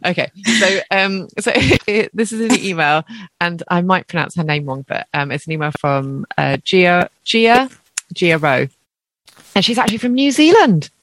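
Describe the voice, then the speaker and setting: A woman's voice: on the low side, lively intonation, normal speed, fairly bright tone, dry recording. Chatty woman podcast host. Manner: chatty, laughs often, reads listener email aloud. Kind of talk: casual chat.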